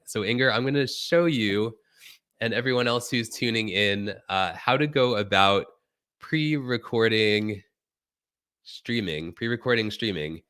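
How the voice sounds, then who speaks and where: A man hosting a casual live stream tutorial, sounding hoarse from a cold and chatting directly to his viewers. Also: fairly low pitch, pushed and bright.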